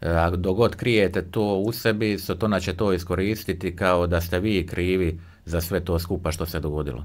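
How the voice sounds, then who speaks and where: With a very deep, low pitch, a man speaks at a moderate pace with fairly even intonation and hardly any pauses. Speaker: radio host and interpreter. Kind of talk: consecutive interpreting of testimony. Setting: studio.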